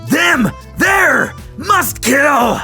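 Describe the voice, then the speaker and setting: A man voicing a feral, unhinged young alien warrior who shouts broken, primitive phrases in a dramatic narration. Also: extremely high pitch, sing-song, very slow, soft background music, voice pushed up, exaggerated voice. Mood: frantic, aggressive.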